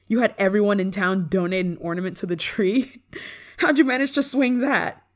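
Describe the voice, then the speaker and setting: A woman playing a prickly, homesick young performer in an ASMR roleplay, grudging in manner but secretly fond of an old friend. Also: medium pitch. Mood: amazed, amused. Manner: tsundere, grudging, sighing, secretly affectionate. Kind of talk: ASMR roleplay, acted monologue to listener.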